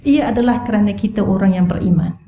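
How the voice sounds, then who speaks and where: A woman's voice: medium pitch, fast talker. A middle-aged Malaysian woman giving a religious lecture in a mosque hall, earnest and asking the audience rhetorical questions. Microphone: wireless mic. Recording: roomy, dull-toned hall recording.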